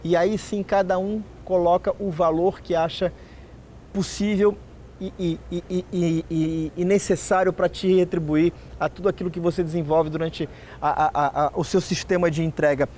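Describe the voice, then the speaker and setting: A man hosting a talk show, asking the questions and reading sponsor lines in a smooth presenter tone. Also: high voice, steady tone, moderate pace, a little mellow, a little hiss or hum. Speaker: show host. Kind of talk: interview and broadcast hosting.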